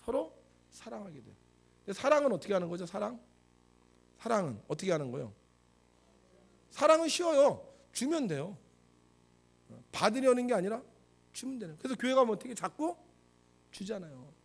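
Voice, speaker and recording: A middle-aged male pastor delivers a sermon in a high, very lively voice that swoops up and down. He poses questions to his listeners and answers them himself. He moves between punchy loud lines and near-whispered asides. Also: moderate pace, long pauses, breathy edge. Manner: animated preaching, swinging between loud emphasis and soft asides.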